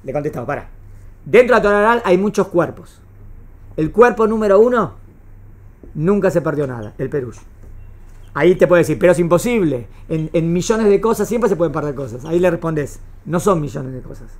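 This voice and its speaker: A woman's voice: fairly low pitch, expressive, brisk, darkish tone. A woman with a Rioplatense Spanish accent teaching a class, often checking whether her students have understood. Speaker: religious studies teacher. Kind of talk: classroom lecture.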